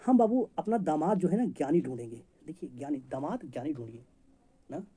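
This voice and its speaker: Fast-talking male exam teacher. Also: on the high side, expressive, mellow, husky. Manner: rapid, chatty, jokey teaching with homely examples. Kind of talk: memory-trick lesson for competitive exams.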